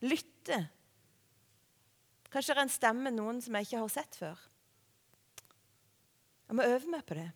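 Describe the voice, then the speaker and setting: A woman's voice: fairly high pitch, animated, long pauses. A woman preaching a sermon in a conversational way, often asking the listeners questions. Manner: conversational, warm-hearted preaching with rhetorical questions. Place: church hall. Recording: long hall reverb.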